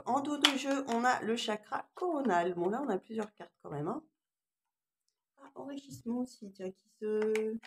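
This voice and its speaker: A woman's voice: on the high side, a little hiss or hum. Woman reading oracle cards, echoey room. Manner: hesitant, musing asides between read passages. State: lingering cough. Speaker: oracle card reader. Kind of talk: informal spiritual card reading, part read aloud.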